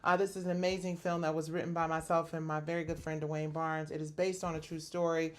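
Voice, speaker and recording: A woman's voice: low voice, little pitch movement, fast talker. A woman host speaking straight to her viewers in an upbeat, chatty wrap-up that promotes her shows. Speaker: show host and producer.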